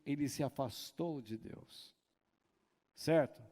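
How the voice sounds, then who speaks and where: A man preaching a sermon as pastor, slow and deliberate, breaking now and then into shouted dramatizations. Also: mid-range voice. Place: church hall. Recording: long hall reverb.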